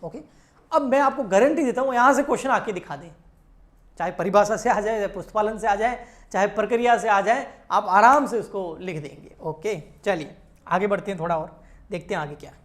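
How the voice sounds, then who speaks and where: A woman teacher delivers a recorded exam-prep accountancy lecture. She walks through each point patiently, keeps checking that her students are following, and speaks to them in a familiar, homely way. Her voice sits at an ordinary middle pitch for a woman. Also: a little fast.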